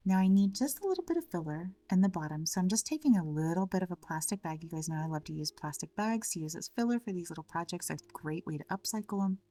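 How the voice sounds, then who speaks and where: A woman with a slightly scratchy voice from a cold, gently narrating a step-by-step craft tutorial in a chatty way. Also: fairly low pitch, lively intonation, quick pace, few pauses, no echo, recorded from a distance. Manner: gentle, chatty, fond of the word little. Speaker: craft channel host.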